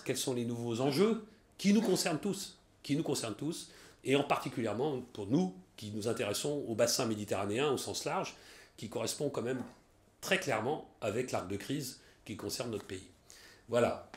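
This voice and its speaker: A man's voice: mid-range voice, animated, moderate pace. A man hosts a conference and introduces the evening's speaker. His voice sits mid-range. He speaks formally but hesitates now and then. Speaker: conference host.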